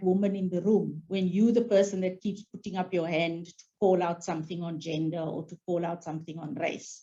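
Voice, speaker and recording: In a South African accent, a woman speaks at a moderate pace. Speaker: foundation executive. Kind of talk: panel discussion.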